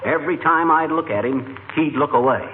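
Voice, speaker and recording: An actor playing a blustering, boastful middle-aged husband who talks in ungrammatical bluster, in 1940s radio comedy style. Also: male voice, fairly high pitch, brisk, lightly acted. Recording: tinny old radio with clear hiss.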